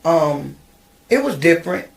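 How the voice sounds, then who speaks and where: A woman's voice: sits low, very animated, unhurried, vocal fry, crowd noise. A middle-aged woman, a podcast guest recounting her life with many ums and restarts. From Virginia, USA. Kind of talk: personal storytelling in an interview. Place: podcast studio.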